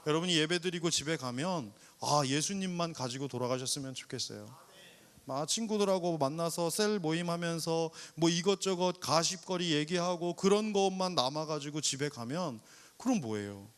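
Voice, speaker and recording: A male pastor preaching to a young adults service, animated, firing rhetorical questions and acting out people's complaints and prayers. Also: a little high. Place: church worship service.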